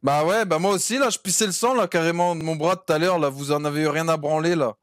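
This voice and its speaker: A man's voice: fairly high pitch, quick pace, dry recording, clean studio sound, lightly acted. A man playing a rowdy, mouthy gypsy crook. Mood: aggressive. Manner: insulting, repeats "carrément" constantly. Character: brash rowdy male gypsy crook, hot-headed. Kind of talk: roleplay character voice.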